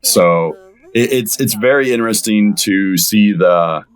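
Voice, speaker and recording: A man giving casual interview commentary as a podcast guest, halting and repeating words as he thinks. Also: on the low side, clear, resonant tone. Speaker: podcast guest, cast member.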